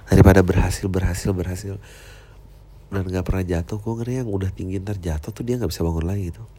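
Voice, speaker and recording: Dark mellow low voice, guy in his 30s, comedian chatting loose, swears a lot. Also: steady tone, fast, slightly rough. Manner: slangy, mixes in English phrases, swears casually. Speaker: stand-up comedian. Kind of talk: casual reflective chat.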